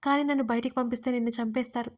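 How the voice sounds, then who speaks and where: A woman voicing a distressed young wife who speaks softly and anxiously in an audio story. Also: fairly high pitch, level tone, very fast, natural voice. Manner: soft, anxious.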